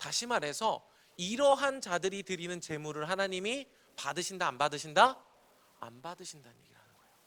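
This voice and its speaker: In a bright, sharp tone, a man with a high voice speaks at a fairly quick pace, with lively intonation and big swings in loudness. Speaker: youth pastor. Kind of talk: sermon. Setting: church service with congregation. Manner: animated, call-and-response.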